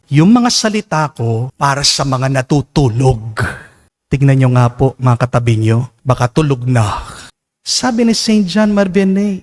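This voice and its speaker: A man with a Filipino accent, a Catholic priest delivering a homily at Mass in an impassioned, rising preaching style. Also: mid-range voice.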